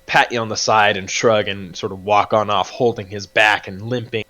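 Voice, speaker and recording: A man running a tabletop game as game master, narrating in a relaxed way full of pauses. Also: on the low side. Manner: relaxed, many fillers and restarts.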